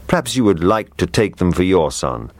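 Man voicing a polite storybook gentleman, dry close sound. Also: low voice, very animated, normal speed, dry recording, exaggerated voice. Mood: courteous.

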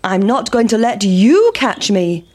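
A woman voicing a small, boastful runaway pancake in a high, taunting voice. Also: very animated, measured pace, darkish tone. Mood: defiant.

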